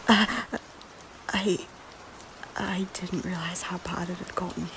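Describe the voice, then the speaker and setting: A woman playing a guilt-ridden, wounded but proud deposed queen in an audio drama, hesitant and breathy, often dropping towards a whisper. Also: lowish voice, little pitch movement, takes it slowly, background noise. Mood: subdued, grateful. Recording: music under the voice. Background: music.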